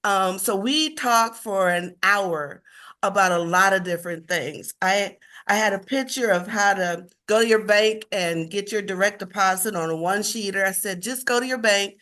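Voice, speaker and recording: A woman chatting upbeat and animated on a group video call, telling how her work went. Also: mid-range voice, moderate pace. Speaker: insurance agent and team member on a call.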